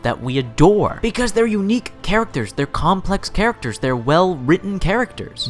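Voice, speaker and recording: A man with a fairly high voice and very lively, swinging intonation delivers opinion commentary as a show host. He leans hard on key words and stacks phrases for emphasis, with light music behind him. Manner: emphatic, repeats and builds phrases for stress.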